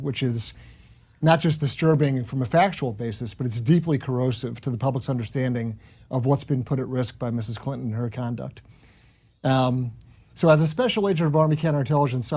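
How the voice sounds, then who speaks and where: Guy, dark mellow voice, mid pitch, giving a stern formal statement, very deliberate. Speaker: former Army counterintelligence special agent. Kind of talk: serious formal spoken statement.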